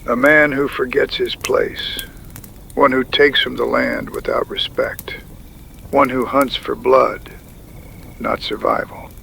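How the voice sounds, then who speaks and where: A man playing a wise, solemn Native tribal chief in a frontier audio drama, speaking gravely with a breathy, gravelly voice that often drops to a whisper. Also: mid-range voice, flat delivery, pushed and bright, slight background noise, exaggerated voice. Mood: grave, mystical. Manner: slow, measured, grave pronouncements.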